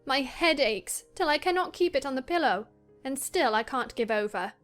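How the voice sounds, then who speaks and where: A woman reading the part of a headstrong young girl recounting her diary with lively indignation. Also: sits high, normal speed, soft background music. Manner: lively, indignant first-person storytelling. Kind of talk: dramatized audiobook reading.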